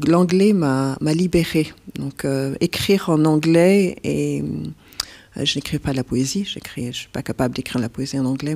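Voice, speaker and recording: A woman from Burundi with a Burundian French accent, whose first language is Kirundi, speaking as a poet in a reflective interview, pausing often with fillers and restarts. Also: deep voice, darkish tone. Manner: hesitant, many fillers and restarts. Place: stage at a poetry house.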